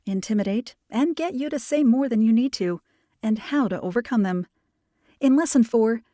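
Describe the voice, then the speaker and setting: A woman reading scripted instructional narration in a measured, clearly enunciated way. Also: fairly high pitch, warm tone, no room sound, studio quality. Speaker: voice-over narrator for e-learning and training. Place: home studio.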